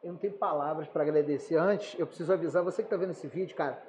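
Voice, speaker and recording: High, mellow-voiced Carioca host. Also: male voice, racing. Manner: jokey, hyped promos. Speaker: chef, podcast co-host. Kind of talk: casual podcast chat. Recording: roomy, muffled room, faint noise.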